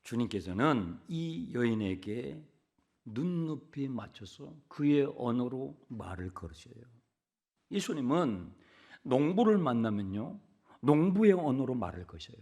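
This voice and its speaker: A man preaching a sermon from the pulpit. He drops to hushed whispers, then repeats words loudly for emphasis, and keeps asking the congregation questions. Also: medium pitch, big pitch swings, unhurried. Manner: swings between hushed whispers and loud emphatic repetitions; conversational, asks the congregation questions. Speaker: pastor. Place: church sanctuary pulpit.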